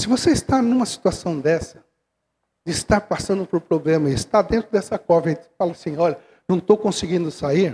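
A man speaks with a dark, mellow tone at a high pitch for a man. His intonation is lively and his pace moderate. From São Paulo, Brazil (north zone). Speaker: preacher. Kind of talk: sermon.

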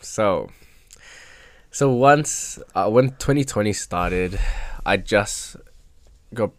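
Recorded very cleanly against a silent background, a man speaks with an Australian accent and ordinary pitch variation. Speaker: university student and former footballer. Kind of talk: casual chat.

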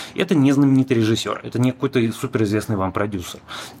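Against noticeable background noise, a man talks at a very fast pace in a medium pitch. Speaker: film producer. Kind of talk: prerecorded commentary.

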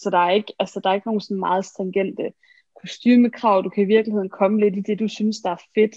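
With a normal speaking voice, a woman talks at a medium pitch with fairly even intonation. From Køge area, Zealand, Denmark. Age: 20s. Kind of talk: casual interview. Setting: video call.

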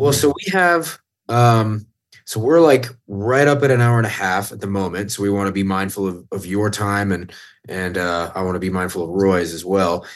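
An unremarkable speaking voice, a man's at fairly low pitch, with ordinary pitch variation and a moderate pace. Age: 30s. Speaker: podcast co-host. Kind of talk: casual interview.

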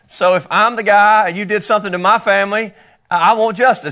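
At a fairly quick pace, a man with a high pitch, ordinary pitch variation and a bright, sharp tone talks with a slight Southern US accent. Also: quiet background. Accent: Southern US, slight country. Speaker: Bible teacher. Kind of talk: Bible lesson. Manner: casual, enthusiastic.

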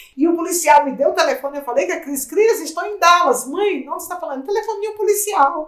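At a very fast pace, a woman speaks with an extremely high pitch and lively intonation. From Ceará backcountry, Brazil. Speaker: podcast host's mother, storyteller. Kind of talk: personal life story interview.

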